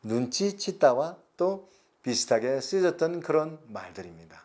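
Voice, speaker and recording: A middle-aged man, giving a recorded lecture slowly and deliberately, stretching words and pausing. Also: mid-range voice, sing-song, darkish tone. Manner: slow, deliberate explanation with drawn-out words and pauses.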